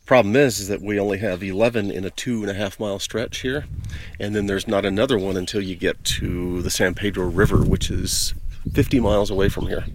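A man's voice: lowish voice, steady tone, brisk. A man outdoors at a border wall explaining matter-of-factly as a wildlife guide in an interview. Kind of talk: casual field interview.

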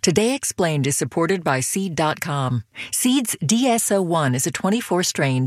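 A woman with a low voice reading a scripted sponsor message smoothly and briskly. The sound is dry and close. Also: no room sound. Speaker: ad reader.

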